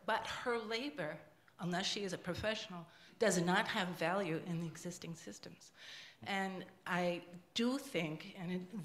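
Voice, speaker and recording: An older woman in the audience giving an impassioned comment into a handheld microphone at a panel, getting louder and more emphatic. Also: mid-range voice. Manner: emphatic, grows louder and forceful. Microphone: handheld microphone passed in audience. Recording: echoey room.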